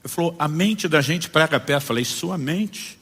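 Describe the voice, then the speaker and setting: A Brazilian pastor with a Brazilian Portuguese accent preaches a sermon full of stories, animatedly acting out the dialogues. His fairly high voice moves briskly with a breathy edge, and he's in a large hall.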